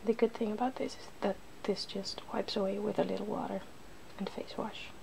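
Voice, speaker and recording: A woman's voice: mid-range voice, fairly even intonation, fairly quick, creaky, noisy background. A woman hosting a casual ASMR makeup demonstration, chatty and giggly, drifting into whispers. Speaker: ASMR video host.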